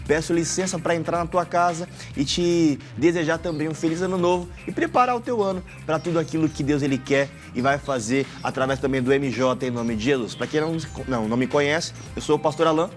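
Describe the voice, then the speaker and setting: A man, a pastor, hosting a youth gospel TV talk show, enthusiastic and quick to exclaim. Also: on the high side, steady tone, soft background music. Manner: enthusiastic, exclaims and laughs often.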